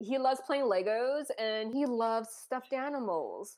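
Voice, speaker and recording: A woman with an American accent speaks at a high pitch with lively intonation and a moderate pace. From North Carolina. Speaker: breast cancer survivor and guest co-host. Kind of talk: casual chat.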